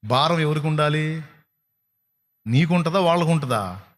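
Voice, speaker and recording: A man preaching a sermon at a night prayer service, asking rhetorical questions and swinging his pitch widely for emphasis. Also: lively intonation, moderate pace. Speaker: pastor. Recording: long hall reverb.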